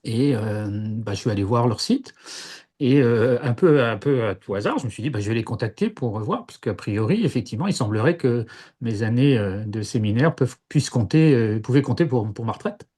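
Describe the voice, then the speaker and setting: Speaking briskly and expressively, a man in his sixties from Paris describes his past as a former seminarian in a casual interview testimony. His medium-pitched voice is warm and husky, though he hesitates often, with many fillers and restarts.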